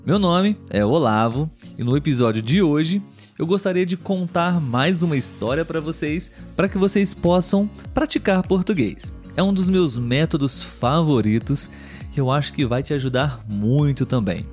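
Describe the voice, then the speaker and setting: A young Brazilian man who hosts a language-learning podcast, speaking clearly and warmly as he talks directly to learners. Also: a little high, animated, normal speed, soft background music. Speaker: podcast host and Portuguese tutor.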